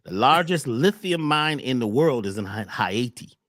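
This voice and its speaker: A man talking as a wellness coach on a talk show, emphatic and repetitive, often jumping high on key words. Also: expressive, moderate pace, a bit bright, no echo. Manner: emphatic, repeats phrases, swoops up on key words. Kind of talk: animated talk-show conversation.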